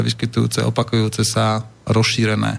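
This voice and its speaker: A man is speaking. He keeps a moderate pace. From Slovakia, Prievidza (central Slovakia). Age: 30s. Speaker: civic activist and IT worker. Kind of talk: radio interview. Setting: radio studio.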